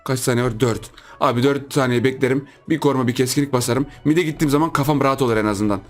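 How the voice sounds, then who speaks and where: A man's voice: medium pitch, fast, faint music behind. A man giving casual, playful commentary as he plays a video game, teasing the other players and chatting with his viewers. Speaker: gaming YouTuber. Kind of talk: casual let's-play commentary.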